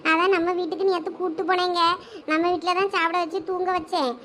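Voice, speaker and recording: A woman's voice: very high-pitched, flat delivery, quick pace, a bit bright. A woman playing a worried middle-aged village wife telling news to her husband in a village drama.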